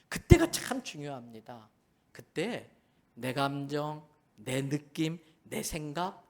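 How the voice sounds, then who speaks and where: A male pastor delivers a sermon at a church service. His pitch climbs and falls in lively swings. He talks in an animated way, going quiet and then loud as he acts out bits of dialogue.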